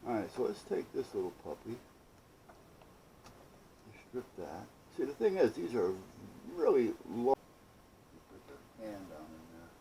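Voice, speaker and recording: A man's voice: on the low side, sing-song, measured pace, vocal fry, long pauses, mellow, slight background noise, poor audio. A man chatting casually through a hands-on workshop project, rambling and muttering to himself with playful asides. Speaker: hobbyist maker hosting own workshop videos.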